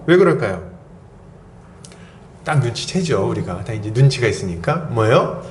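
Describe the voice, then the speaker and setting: Animated pastor man in his forties. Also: on the high side. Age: 40s. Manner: animated, asks the congregation many rhetorical questions. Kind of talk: sermon. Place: church sanctuary. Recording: roomy church echo, faint background hum.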